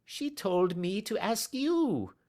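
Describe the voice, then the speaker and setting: A man voicing a nervous, frightened little man who whines in a high, quavering voice in a storybook reading. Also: expressive, takes it slowly, darkish tone, full character voice. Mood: frightened whining.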